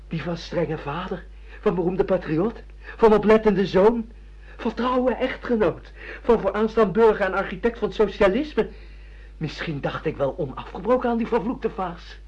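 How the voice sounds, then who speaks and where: An anguished rebel in a radio play, theatrical and impassioned. The delivery is that of a yearning monologue, slightly husky, on a dull lo-fi recording. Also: female voice, on the low side, a little mellow. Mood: impassioned, desperate. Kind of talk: radio drama acting.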